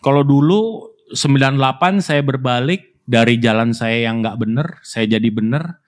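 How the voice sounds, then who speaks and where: A man pastor preaches a sermon. He keeps it lively and conversational, often calling out to the congregation. His voice sits at an ordinary middle pitch. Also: normal speed. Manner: lively, conversational preaching with audience call-outs.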